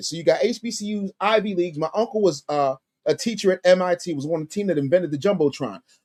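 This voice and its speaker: A man with a high voice talks very fast, the sound dry and close with no echo. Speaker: educator and public speaker on a discussion panel. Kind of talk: panel discussion.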